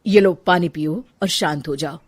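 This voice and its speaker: A woman voicing a concerned young husband in a cartoon story, who pleads gently with his wife. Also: lowish voice, moderate pace, husky. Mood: soothing.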